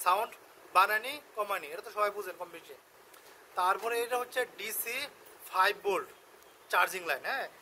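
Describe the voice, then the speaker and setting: A man with a Bangladeshi accent giving a casual product demonstration and sales pitch, explaining step by step and often repeating himself. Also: fairly quick, long pauses, sharp tone, a little hiss or hum, low-quality recording. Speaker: shop seller presenting a product on his channel.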